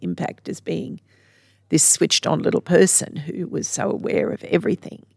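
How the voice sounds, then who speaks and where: A woman with an Australian accent speaks at a fairly quick pace, with a dry, close sound and no echo. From Sydney, Australia, then rural Queensland. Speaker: gift shop owner. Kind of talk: personal testimony interview.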